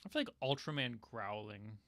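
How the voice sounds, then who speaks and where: A man's voice: fairly low pitch, sing-song, normal speed, a bit bright, no room sound. A man streaming a casual watch-along, joking, laughing often and getting emotional over the film. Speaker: streamer hosting a watch party.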